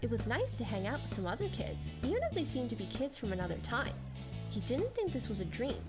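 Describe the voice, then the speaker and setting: A woman's voice: a little high, wildly swooping pitch, fairly quick, loud music behind the voice. A woman reading a story as a scripted, dramatic narration.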